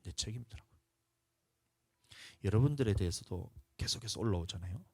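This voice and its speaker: A man's voice: lowish voice, expressive, fairly quick, breathy edge, dry recording. Impassioned male pastor preaching. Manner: emotional storytelling preacher, swinging from hushed confession to loud urgent pleading. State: tired from lack of sleep. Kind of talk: sermon. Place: church sanctuary.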